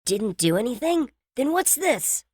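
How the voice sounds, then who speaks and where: A man's voice: high-pitched, big pitch swings, moderate pace, no echo, studio quality, voice pushed up. A man voicing a stern, bossy young woman who scolds and lectures in an exasperated way. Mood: scolding.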